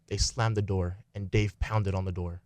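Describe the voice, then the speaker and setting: Low-voiced man narrating, dry sound. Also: little pitch movement, normal speed, a little mellow, no echo. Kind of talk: scripted narration.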